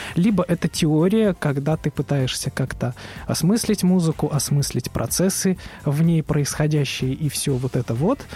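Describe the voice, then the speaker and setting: This man has a fairly high pitch, very even loudness and ordinary pitch variation. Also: moderate pace. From Russia, Ulan-Ude (Buryatia). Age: young. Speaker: composer. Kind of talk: radio interview.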